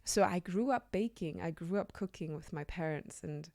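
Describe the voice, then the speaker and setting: A woman's voice: on the low side, normal speed, vocal fry, a little mellow, no echo. Earnest woman in a dry studio. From Denmark. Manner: earnest, emphatic, repeats phrases and seeks agreement with "right?". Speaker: radio guest, leadership and personal development coach. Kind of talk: reflective conversational interview. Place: radio studio.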